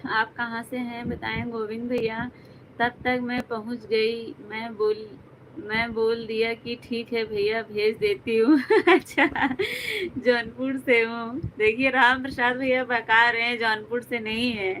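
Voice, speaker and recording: A woman's voice: on the high side, level tone, unhurried, a bit bright, a little hiss or hum, rough recording. Chatty woman live-streaming from Uttar Pradesh. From Uttar Pradesh, India. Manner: chatty, greets viewers by name, laughs often. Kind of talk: casual chat reading viewer comments.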